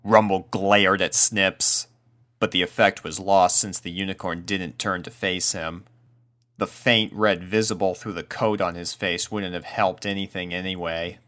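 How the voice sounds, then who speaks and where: A man's voice: low voice, fairly even intonation, measured pace, a bit bright. A man reading a spooky story aloud as a scripted narrator.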